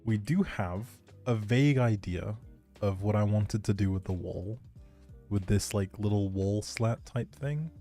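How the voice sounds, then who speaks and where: Male game streamer, low and soft-toned, chatty and easygoing, music playing underneath. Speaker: video game livestreamer. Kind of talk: casual gaming livestream chat, thinking aloud.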